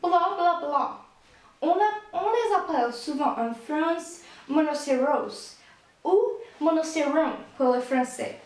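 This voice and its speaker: A woman playing a self-important old-time scholar man, high voice, slow and drawn out, fake accent. he lectures in a bouncing echoey room, like a comedy sketch. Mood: mock-learned. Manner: mock foreign accent, slow lecturing delivery. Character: pompous medieval male encyclopedist, jokey.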